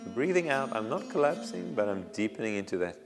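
A middle-aged man teaching a yoga class, giving slow, soothing cues timed to the breath, on a clip-on mic in a studio. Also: mid-range voice, very animated, in a large hall, over music. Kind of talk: guided yoga class instruction. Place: indoor yoga studio with bare walls. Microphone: small clip-on lapel mic.

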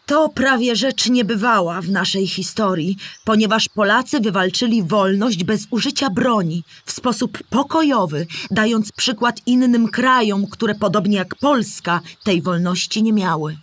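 A woman voices a kindly old female animal from a children's animated radio play. The voice is husky and of middling pitch, and it patiently explains things in simple, measured storytelling words. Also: dry recording, natural voice. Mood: patient, explaining.

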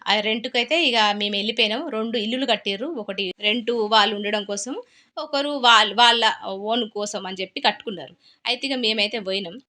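A woman's voice: fairly high pitch, fairly quick, sharp tone. A woman with a Telangana Telugu accent, chatting casually as a cooking vlogger and telling a story while she cooks, often repeating her phrases.

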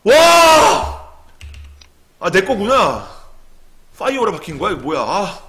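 A young man streaming a game, commenting casually and excitably, muttering one moment and yelling and cursing the next. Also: high voice, normal speed, slight background noise. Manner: excitable, swings from muttering to sudden yelling and swearing.

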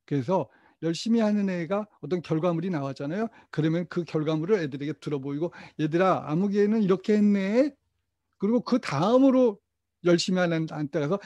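A man's voice: a little high, warm tone, no room sound, dull audio. A middle-aged man giving a lecture to teachers. He asks questions and answers them himself, leads the group in repeating phrases, and chuckles often. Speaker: teacher trainer.

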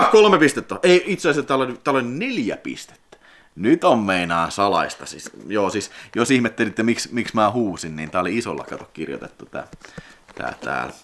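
A man with a Finnish accent chatting casually as he unboxes videotapes in his vlog, excitable and prone to sudden high whoops. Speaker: video collector vlogger.

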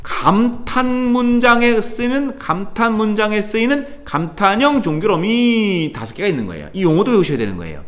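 A man's voice: high-pitched, normal speed, hardly any pauses. A man teaching a grammar lesson to students in a casual, chatty way, with asides and exclamations. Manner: lively, chatty teacher addressing students, sudden mutters and exclamations. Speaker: Korean language tutor. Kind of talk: classroom grammar lecture. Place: cram school classroom.

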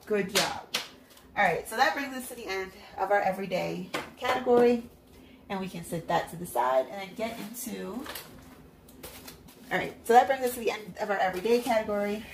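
An animated, fairly quick mid-range voice comes from a budgeting vlogger whose nose is stuffed up as she counts cash into envelopes at her home table. She narrates casually, chatty, upbeat and self-encouraging. The overhead camera captures only her hands, the mic sits off-frame, and the sound is roomy with noise in the background.

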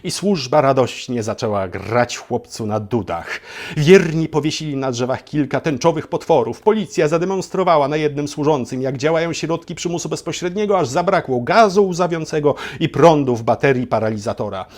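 A man's voice: a little high, lively intonation, moderate pace, a little mellow. A man narrating a satirical fairy tale for adults in a theatrical, mock-solemn way, as if addressing children. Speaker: storyteller and channel host.

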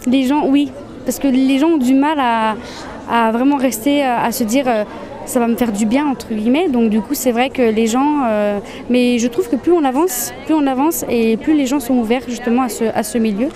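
A woman's voice: sits high, moderate pace. A woman organizer answering interview questions, hesitant and full of fillers. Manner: hesitant, many fillers and restarts. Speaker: event organizer. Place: busy exhibition hall. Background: crowd chatter.

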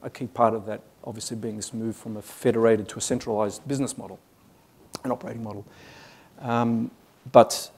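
Speaking on a conference hall stage, this Australian man in his forties delivers a business talk riddled with fillers and false starts. His voice sits at medium pitch, dark and slightly rough, with vocal fry.

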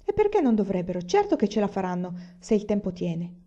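A woman's voice: sing-song, a little fast, dark tone, dull audio. A woman voicing a weary middle-aged pioneer father in a read-aloud story. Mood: steady. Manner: booming defiance against the storm.

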